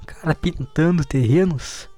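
A man's voice: on the high side, a little slow, warm tone. A young man casually commenting on news stories as he reads them aloud, sarcastic and profane, often laughing. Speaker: streamer reacting to news. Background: faint music playing.

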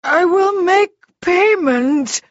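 A woman's voice: very high voice, animated, extremely slow, no room sound, highs cut off, voice pushed up, heavily acted. A woman voicing a villainous froglike male fae lord in an audiobook, gabbling and protesting in panic. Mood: desperate pleading.

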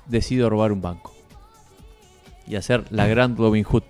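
A man with a Uruguayan Spanish accent, a radio show cohost in comedic banter, delivering offhand jokes deadpan. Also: on the low side, normal speed, creaky, faint music behind. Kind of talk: comedic banter among hosts.

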